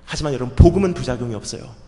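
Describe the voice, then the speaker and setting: A man preaching a sermon as a missionary, swinging from loud emphatic peaks to quiet storytelling. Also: mid-range voice, lively intonation, rapid-fire. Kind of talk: sermon with acted dialogue. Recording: long hall reverb.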